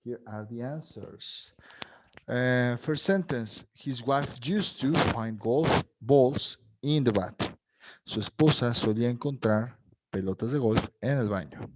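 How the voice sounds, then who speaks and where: A native Spanish-speaking man with a Mexican accent teaches English grammar at an unhurried pace. He reads each English example, then explains it in Spanish and checks in with the class through short tag questions. His voice sits at an ordinary pitch for a man. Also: a little mellow. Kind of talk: bilingual grammar lesson.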